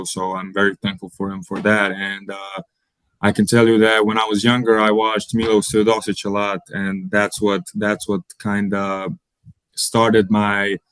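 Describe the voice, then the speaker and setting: Young Bosnian man, low flat voice. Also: smooth, no room sound, poor audio. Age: young adult. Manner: halting, repeats words often while searching. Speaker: college basketball player, guest. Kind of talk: interview answers.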